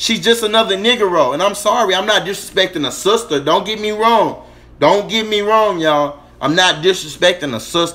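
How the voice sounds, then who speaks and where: A man projects a raised voice, high-pitched with a bright, sharp tone. He talks at a fairly quick pace with ordinary pitch variation. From California. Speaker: YouTube live streamer. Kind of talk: casual livestream chat. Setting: livestream, reading chat. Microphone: webcam.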